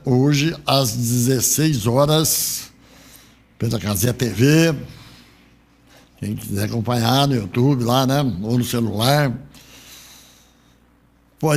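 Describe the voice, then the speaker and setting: A middle-aged Brazilian man hosts a local radio show from the studio, his mid-range voice carrying a creaky quality. He chats loosely about football, drifting into frequent rambling asides.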